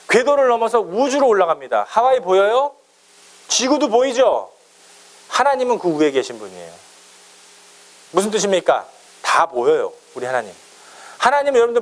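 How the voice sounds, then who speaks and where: Animated, high-voiced male pastor preaching. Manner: lively, playful preaching, teasing listeners by name. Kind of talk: sermon.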